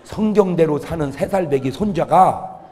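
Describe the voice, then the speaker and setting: A man's voice: on the high side, normal speed. A male pastor delivering a humorous revival sermon, telling stories and acting out the quotes. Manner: lively storytelling with acted-out quotes. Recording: long reverb of a church hall.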